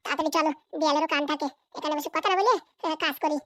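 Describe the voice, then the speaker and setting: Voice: high voice, very fast, a bit bright, no room sound, clean studio sound. A performer voicing a ruthless, ambitious, bossy wife and mother in a Bangla comedy cartoon, scheming coldly.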